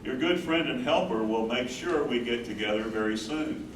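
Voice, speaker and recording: A man's voice: medium pitch, normal speed, close to an everyday voice. A man in a staged reading, playing a tender, devoted elderly husband of a wife with Alzheimer's. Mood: tender, reassuring. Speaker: stage reader. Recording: echoey room, far from mic, background noise.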